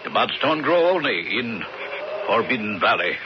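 A man's voice: mid-range voice, sing-song, normal speed, close to an everyday voice. An actor playing a wary, devout Native American man in a radio drama, speaking solemn, formal broken English. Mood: solemn, grave. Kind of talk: 1970s radio drama acting. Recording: muffled noisy old radio broadcast.

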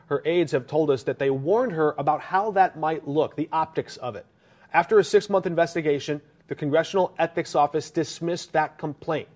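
Slightly high-voiced male news reporter. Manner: steady, briefing.

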